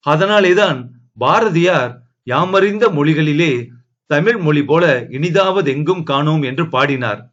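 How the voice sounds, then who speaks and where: A man reading a family novel aloud in a steady, measured storytelling voice. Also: a little high. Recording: dull lo-fi audio.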